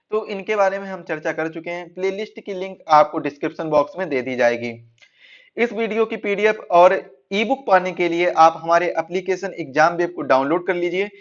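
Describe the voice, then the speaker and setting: A dull, lo-fi recording of a man teaching in a high-pitched voice. He explains like an online exam coach, restating each point in slightly different words. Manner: repeats and rephrases points. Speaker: exam-prep instructor. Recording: dull, lo-fi band-limited audio.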